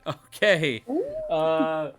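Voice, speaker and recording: A man's voice: fairly high pitch, a bit bright, clean tone. Easygoing man running a tabletop game. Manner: laid-back, with frequent "um" and quick chuckles. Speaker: game master.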